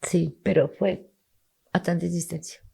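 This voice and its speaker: A deeply gravelly, husky voice with a dark tone, belonging to a middle-aged woman from Peru. She tells her story as a grieving mother with raw emotion and acts out the officials' words. Her speech is low-pitched and rough. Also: fairly even intonation, unhurried. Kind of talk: emotional testimony.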